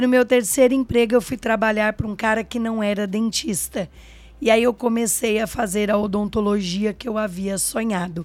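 A woman's ordinary speaking voice at a fairly high pitch, with ordinary pitch variation and a moderate pace. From interior of São Paulo state, Brazil. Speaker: dentist and entrepreneur. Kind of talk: interview.

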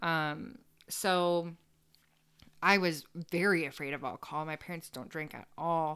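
With an American accent, a woman speaks at a fairly slow pace in a fairly low pitch and a bright, sharp tone, with ordinary pitch variation, big swings in loudness, long and frequent pauses, and a very clean recording with a silent background. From Michigan Upper Peninsula, US. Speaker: filmmaker. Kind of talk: casual chat.

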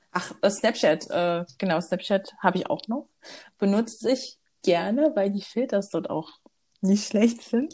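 A woman with a slight Saxon accent talks at a fairly slow pace. Her tone is dark and mellow, her intonation lively. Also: medium pitch for a woman. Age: 20s. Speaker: podcast co-host, office clerk. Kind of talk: casual chat.

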